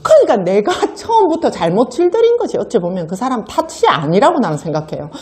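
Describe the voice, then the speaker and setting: Lively middle-aged woman telling stories. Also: fairly high pitch, fast. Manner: animated storytelling, acts out quoted voices, laughs often. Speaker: sales seminar speaker. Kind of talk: motivational seminar talk.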